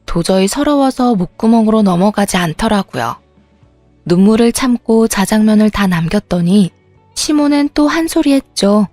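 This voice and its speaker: A woman's voice: mid-range voice, lively intonation, moderate pace, mellow, dry recording, soft background music. Woman reading a confessional story. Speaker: story narrator. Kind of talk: first-person radio story reading.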